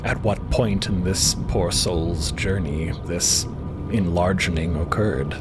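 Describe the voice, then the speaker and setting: A man's voice: deep voice, slow pace. A man narrating scripted audio fiction theatrically, savouring each descriptive word. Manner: savours lists of adjectives. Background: prominent music.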